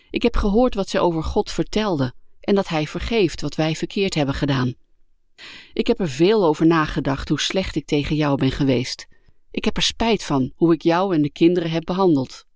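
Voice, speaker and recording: A woman voicing a remorseful middle-aged husband who quietly pleads for forgiveness in an audio story. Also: sits low, no echo, clean studio sound, lightly acted.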